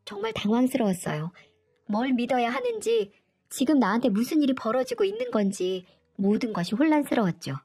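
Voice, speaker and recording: A woman reads a dramatic story in the first person, in a steady storytelling manner. Her voice sits somewhat high, with faint music underneath. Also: a little fast. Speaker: story narrator. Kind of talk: scripted story narration.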